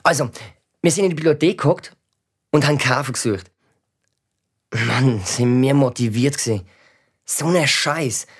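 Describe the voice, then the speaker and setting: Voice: medium pitch, normal speed, pauses often, breathy edge. A performer voicing a cheeky, grumbling schoolboy, who narrates and mocks others in a children's audio drama. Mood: sulky. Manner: sulky, sarcastic, grumbling. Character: cheeky gamer schoolboy, grumpy and mocking. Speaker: narrating lead character.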